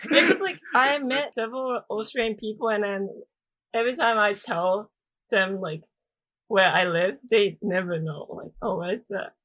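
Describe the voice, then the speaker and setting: Young woman, Japanese accent, casual podcast guest, chatty, many fillers, mid-pitched. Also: moderate pace. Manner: chatty, frequent "like" fillers, soft laughs.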